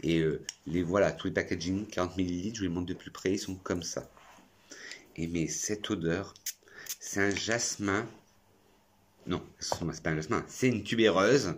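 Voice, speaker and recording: A man's voice: low voice, normal speed, a little hiss or hum. A French man reviewing perfumes in a chatty, effusive vlog. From France. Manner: chatty and effusive, talks to himself. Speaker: perfume youtuber.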